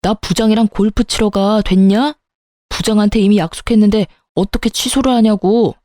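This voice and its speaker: A stubborn, hot-tempered middle-aged father barks and blusters at his family, as a woman narrator puts him on. The voice is mellow and close, recorded dry for a read-aloud story. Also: medium pitch, fairly even intonation, normal speed, no room sound, close to an everyday voice. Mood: angry. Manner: shouting, bullying, indignant.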